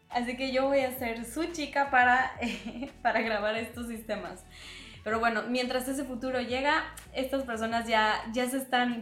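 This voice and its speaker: A woman in her twenties with a Mexican accent, chatting excitably and casually like a vlogger in her kitchen. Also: fairly high pitch. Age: 20s. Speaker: vlogger, prankster. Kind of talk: animated casual vlog chat and phone prank. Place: small home kitchen, indoors. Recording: roomy kitchen echo.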